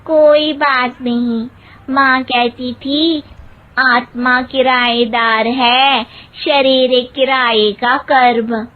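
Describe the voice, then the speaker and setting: Lady doing a sweet dim village bride for a cartoon, high and really slow, tinny audio. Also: steady tone. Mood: innocent. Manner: slow, simple and literal-minded. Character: naive young village bride, innocent and muddled.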